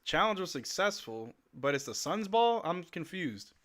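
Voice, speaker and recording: A man hosting a live watch-along stream, giving play-by-play commentary and joking reactions as an excitable fan talking to his chat. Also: a little high, normal speed. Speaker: livestream host.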